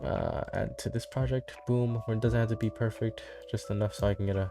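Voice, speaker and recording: Music plays in the background. A man speaks quietly. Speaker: YouTube tutorial creator. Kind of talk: software tutorial. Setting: home, others asleep. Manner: casual, filler words.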